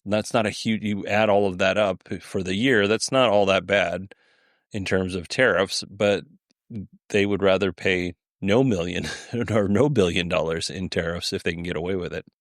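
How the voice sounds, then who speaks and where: A man's voice: low-pitched, dry recording, clean studio sound. A man hosting a podcast solo, giving informal, rambling commentary with an occasional chuckle in his delivery. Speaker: podcast host. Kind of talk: casual solo commentary on audio clips.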